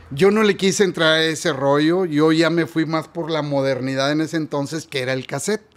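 A man talks at a fairly quick pace. He has an ordinary speaking voice, fairly high in pitch. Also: fairly even intonation, hardly any pauses. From Nuevo León, Mexico (Ciénaga de Flores); Nuevo León, Mexico. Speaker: sound system promoter / sonidero; interview guest. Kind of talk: interview. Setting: workshop studio. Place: home room. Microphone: studio mic.

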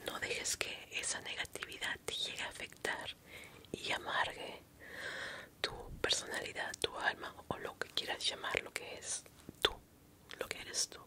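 A soft-spoken woman talks at a fairly slow pace with long, frequent pauses. Loud background noise sits behind her. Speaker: vlogger giving advice. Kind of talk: casual vlog chat. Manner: soft, murmured ASMR voice. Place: studio.

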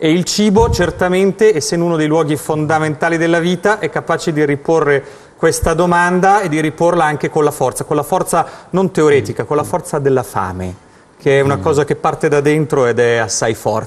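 The speaker has an ordinary speaking voice and talks at a fairly quick pace. Pitch variation is ordinary. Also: man, fairly high pitch for a man. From northern Italy, Milan; northern Italy. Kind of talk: studio panel discussion. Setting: TV studio with audience. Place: studio. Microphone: lapel.

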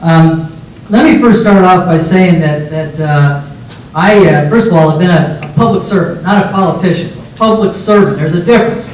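Audible room echo surrounds a man with a high pitch. He talks at a moderate pace over light background noise. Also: ordinary pitch variation. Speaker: local elected official. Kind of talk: panel presentation. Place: hall.

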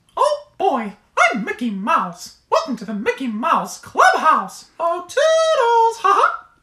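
In a put-on character voice with extremely high pitch, the speaker goes at a fairly slow pace with hardly any pauses. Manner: cheerful, exuberant.

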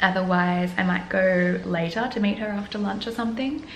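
Woman's voice with ordinary pitch variation, audible room echo and light background noise. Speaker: vlogger. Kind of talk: casual vlog chat. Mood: relaxed, excited. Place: home room. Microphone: phone near.

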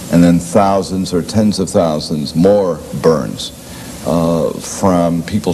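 With a very deep, low pitch and ordinary pitch variation, a man speaks over light background noise. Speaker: interviewee. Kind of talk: interview answer. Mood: serious, measured. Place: studio.

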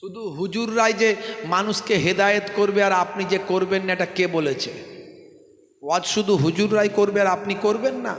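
Over noticeable background noise, a man with a high pitch speaks in fairly even intonation. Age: 40s. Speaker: Islamic preacher. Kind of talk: sermon. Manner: rhetorical, exhorting.

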